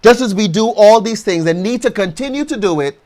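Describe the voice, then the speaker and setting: Man, American accent, high voice, preacher, slow emphatic affirmations. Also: animated, a little mellow. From United States. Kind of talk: motivational sermon with call-and-response affirmations.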